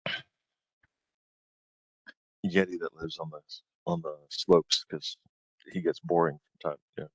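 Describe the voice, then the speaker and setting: A man doing a chatty hermit who lives alone on snowy slopes, glad of any company, low-pitched and rambling. The sound is dry and close, with no room in it. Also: level tone, a little slow, slightly rough, no room sound, lo-fi sound. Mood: friendly. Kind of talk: game master voicing a character.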